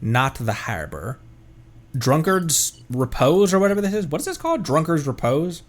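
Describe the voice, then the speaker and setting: Rambling male game streamer with animated pitch. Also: moderate pace. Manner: rambling, thinking aloud. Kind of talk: casual livestream chat while gaming.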